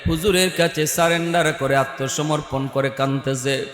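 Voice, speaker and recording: A male preacher, telling a story in a melodic, sing-song chant that swells high. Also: steady tone, normal speed, fairly bright tone. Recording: echoey hall with faint music.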